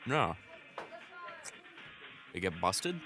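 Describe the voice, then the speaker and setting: A man's voice: sits low, big pitch swings, drawn-out words, sharp tone, faint music behind, heavily acted. A man playing a wisecracking street sidekick bantering in an audio drama. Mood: needling. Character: wisecracking male street sidekick, bickering pal. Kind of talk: full-cast audio drama, casual banter.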